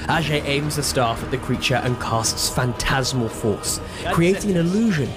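Male tabletop player, measured descriptive storytelling in a mid-range voice, with heavy music underneath. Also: medium pitch. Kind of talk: descriptive in-game narration.

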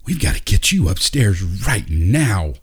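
A man's voice: low-pitched, sing-song, measured pace, husky, heavily acted. A man voicing a kindly, steadfast father in a storybook, earnest and polite. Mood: encouraging, urgent.

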